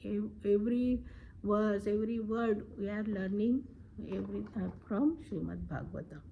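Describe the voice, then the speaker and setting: A woman's voice: medium pitch, normal speed, gravelly, phone-quality sound, a little hiss or hum. A woman giving a devotional scripture discourse, earnest, often asking "right?" and acting out quotes. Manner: earnest, lively quoting, frequent "right?". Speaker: devotional speaker.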